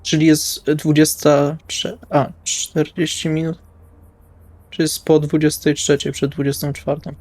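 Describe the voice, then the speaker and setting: A man's voice: on the high side, monotone, unhurried, darkish tone, no room sound. A man playing a tabletop role-playing game, improvising dialogue in a casual, wry, colloquial way. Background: music.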